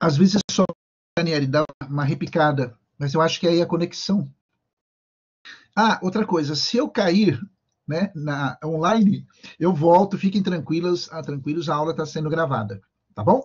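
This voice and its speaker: A high-pitched male voice with long, frequent pauses. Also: ordinary pitch variation, moderate pace. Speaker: university professor. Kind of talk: online lecture. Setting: video conference class.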